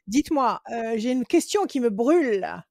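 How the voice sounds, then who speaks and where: A woman's voice: a little high, sing-song, moderate pace, gravelly, a little mellow, no room sound. Assertive female psychic, emphatic repetitions. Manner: assertive, repeats phrases for emphasis. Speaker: psychic giving card readings to callers. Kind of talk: live consultation, short spoken pronouncements.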